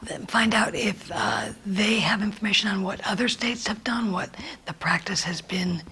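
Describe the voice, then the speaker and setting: A woman's voice given through live interpretation in a planning meeting. She speaks in halting phrases with frequent ums. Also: mid-range voice, steady tone, pushed and bright, slightly rough. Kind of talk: live sign language interpretation voiced aloud.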